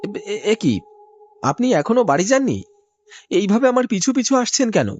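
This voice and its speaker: A man's voice: high-pitched, big pitch swings, normal speed, muffled recording, slight background noise. An actor playing a frightened young man in a cartoon horror story, stammering through fearful questions. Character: frightened young man walking home at night. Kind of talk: cartoon voice acting.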